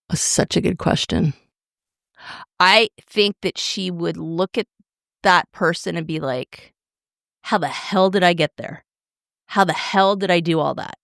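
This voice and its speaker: Lively woman in her fifties, lowish voice. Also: slow, vocal fry, long pauses, dry recording, clean studio sound. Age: 50s. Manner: animated, acts out quotes, laughs while telling stories. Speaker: podcast co-host. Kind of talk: casual chat, storytelling.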